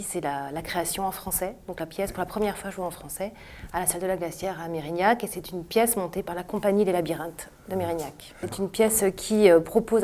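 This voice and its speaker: A woman's voice: lowish voice, darkish tone. A woman, a guest playwright and actress, explaining her play articulately in a studio interview with occasional fillers. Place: web TV studio.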